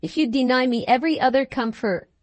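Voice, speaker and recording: A woman's voice: sits high, brisk, no room sound, lightly acted. A woman voicing a peevish, self-pitying young husband who speaks in a sulky, sarcastic way in an audiobook. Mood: irritable.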